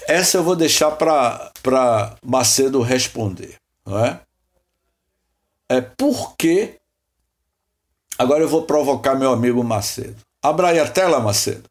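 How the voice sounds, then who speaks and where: A man's voice: mid-range voice, animated, unhurried. A man from Salvador leads an informal teaching session. He rambles, repeats himself, asks rhetorical questions and calls on people by name. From Salvador, Bahia, Brazil. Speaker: host leading a spiritist study session.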